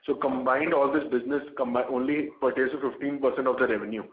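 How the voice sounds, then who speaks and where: Fast-talking Indian man on echoey phone line. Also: mid-range voice, fairly even intonation. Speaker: company executive. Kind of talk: earnings call answers. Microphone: conference call phone.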